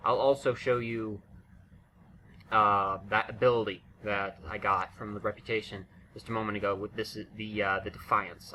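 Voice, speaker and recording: A man's voice: on the low side, sharp tone, slight background noise. A man hosting a gaming video with casual, chatty, unscripted commentary and exclamatory delivery.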